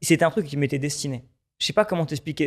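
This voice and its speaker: A man talks in an ordinary speaking voice at a fairly high pitch. His intonation is fairly even, and the background is quiet. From Paris suburbs, France; France. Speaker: entrepreneur and investor; guest. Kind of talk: interview. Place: studio. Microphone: studio mic.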